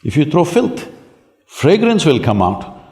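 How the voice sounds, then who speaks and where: Hoarse Indian man, rhetorical public speaker answering students. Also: fairly high pitch, wildly swooping pitch, a little slow, a little mellow. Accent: Indian English. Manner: rhetorical, asks the audience to agree. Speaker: spiritual speaker answering questions. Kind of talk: public talk. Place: large lecture hall with an audience.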